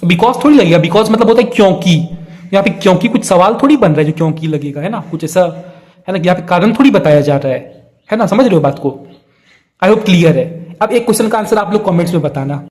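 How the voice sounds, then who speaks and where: A man's voice: high voice, animated, quick pace, darkish tone. A young man teaching an exam-prep lesson, explaining step by step, often checking in with fillers and putting questions to his students.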